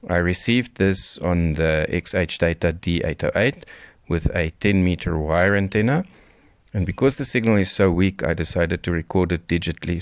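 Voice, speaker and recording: A man's voice: low voice, no echo. A man narrating informally as a radio hobbyist, explaining a recording he made.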